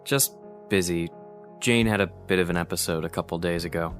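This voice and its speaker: A man's voice: deep voice, brisk, faint music behind, natural voice. An actor playing a weary, evasive man in an audio drama, hesitant as he talks. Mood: tired, evasive. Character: worn-out, evasive man brushing off a friend.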